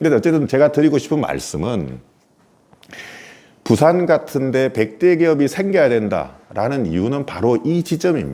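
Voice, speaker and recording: A man's dark, mellow, medium-pitched voice with vocal fry, very wide pitch swings and a moderate pace. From South Korea, Busan. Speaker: politician and former business executive. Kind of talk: lecture.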